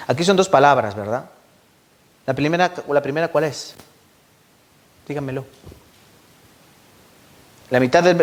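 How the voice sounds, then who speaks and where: A man's voice: medium pitch, darkish tone. Pastor guy giving a sermon in church, keeps throwing questions at the people. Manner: questions and prods the congregation.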